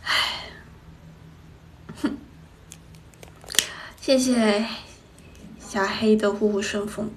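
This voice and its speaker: A woman's voice: mid-range voice, extremely slow, long pauses, a little hiss or hum. A young woman hosting a casual livestream chat, telling stories with lots of laughing and sighing into a phone mic. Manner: lively storytelling, frequent laughing and sighing. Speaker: idol livestream host.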